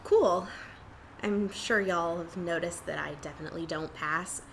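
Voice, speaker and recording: Woman playing a low-pitched, wry cryptid empath. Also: a little slow, slight background noise. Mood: wry, frank. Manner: dry, teasing, casual. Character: wry, frank gray-skinned female cryptid empath. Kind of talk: audio drama dialogue.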